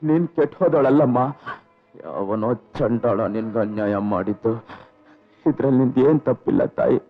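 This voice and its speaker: An actor voices an aging father held in prison, tenderly soothing and pleading with his daughter. His medium-pitched voice moves at normal speed and sounds much like everyday speech. It comes from a dull, lo-fi film soundtrack with faint music underneath.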